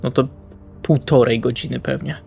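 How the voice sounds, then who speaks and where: A man's voice: medium pitch, steady tone, normal speed, vocal fry, a little mellow. A man playing a blunt, exasperated male vampire in an improvised tabletop roleplay, speaking colloquially and hesitantly, with music behind him. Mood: practical, impatient. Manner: colloquial, swearing, hesitant phrasing.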